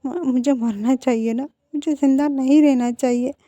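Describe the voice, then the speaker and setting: A woman's voice: high voice, fairly even intonation, moderate pace, mellow, no room sound. A woman voicing a heartbroken young man who cries and blames himself. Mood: anguished. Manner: tearful, pleading. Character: heartbroken young man, crying and guilt-ridden.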